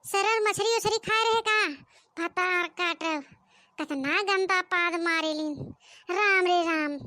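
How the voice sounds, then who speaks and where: A woman voicing a sharp-tongued old village mother-in-law in a comic cartoon, speaking with an Awadhi accent and scolding in loud exclamations. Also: very high voice, takes it slowly, no echo, studio quality, full character voice. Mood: disgusted.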